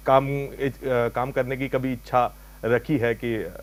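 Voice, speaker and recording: A man's voice: mid-range voice, flat delivery, slow pace. Man, news interviewer, polite, hesitant, filler-heavy questions, faint mains hum.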